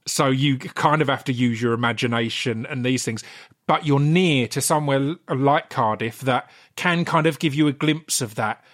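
Essex man, interview host, mid-pitched, eager and stumbling. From Essex, England. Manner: enthusiastic, stumbling over words. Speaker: podcast host. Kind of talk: casual interview chat.

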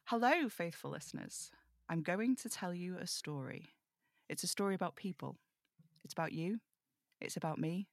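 A woman performs the host of an eerie spirit broadcast in an audio drama, speaking in a fairly low register. The delivery is measured, self-deprecating and conversational, like a confession to faithful listeners. The sound is very dry. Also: lively intonation, gravelly, no room sound. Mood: solemn, welcoming. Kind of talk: audio drama table read, scripted monologue.

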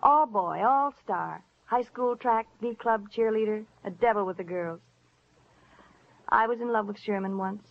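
A woman's voice: mid-range voice, unhurried, gravelly. An actress playing a cool, teasing sophisticated woman with a coy, languid manner, in 1940s radio acting. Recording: dull lo-fi old radio recording.

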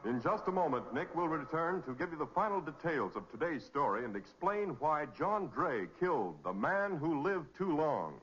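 A man's voice: on the high side, very animated, moderate pace, hardly any pauses, music in the background. A man working as an announcer, reading in a polished 1940s radio advertising style. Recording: dull old radio recording.

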